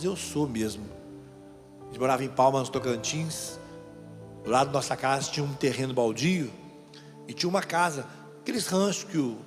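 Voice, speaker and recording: A middle-aged man with a Brazilian Portuguese accent, a deacon giving a sermon in a conversational storytelling way that speaks straight to the listeners. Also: a little high. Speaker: deacon preacher. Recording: reverberant hall with faint music.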